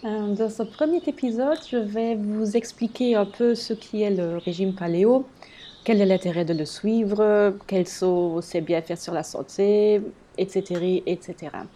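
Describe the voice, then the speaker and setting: A woman in her late thirties with a German accent, a native German speaker, hosting a casual solo podcast and explaining in a slightly halting way. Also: medium pitch, mellow. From German-speaking area, living in eastern Belgium near the German border. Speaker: podcast host and blogger.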